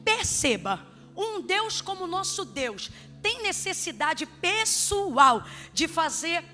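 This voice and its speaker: Woman pastor preaching, super high voice, soft music under it. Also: slow. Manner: animated, humorous storytelling with sudden shouted peaks. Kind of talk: sermon.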